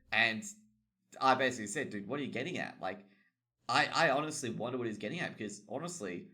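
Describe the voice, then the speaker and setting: Chatting loosely about tournament happenings, this young Australian man, an esports caster who hosts streams, wanders off on tangents, curses freely, and fills his speech with filler words. His voice is mid-range with a fairly bright tone.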